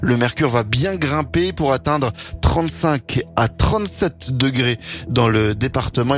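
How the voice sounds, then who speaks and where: A man reading a scripted local news bulletin and weather forecast on the radio in a steady, clear delivery. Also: on the high side.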